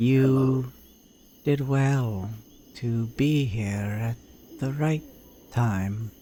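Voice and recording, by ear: In a soft-spoken, raspy put-on character voice of medium pitch, a man talks at a very slow pace with long, frequent pauses.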